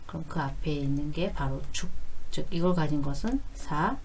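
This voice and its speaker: A woman's voice: low-pitched, moderate pace, a little mellow, a little hiss or hum. A woman in her forties giving a conversational explanatory lesson, going step by step and repeating key phrases. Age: 40s. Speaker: fortune-telling teacher.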